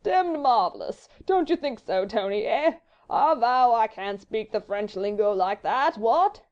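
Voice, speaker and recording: A woman narrator plays an idle English dandy of a baronet from a storybook. He drawls slowly and blandly, with unshakable good humour. The recording is a little dull. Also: fairly high pitch, lively intonation, a little mellow. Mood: good-humoured wonder. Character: foppish, lazy, imperturbable English baronet, tall man.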